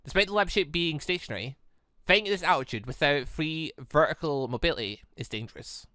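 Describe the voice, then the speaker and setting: Casting: man playing sentient robot controller for visual novel, cold and formal, bright tone, dry close sound. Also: on the high side, fairly quick, no room sound. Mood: cold, detached. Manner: stiff, clipped, formal phrasing. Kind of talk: visual novel character read-aloud.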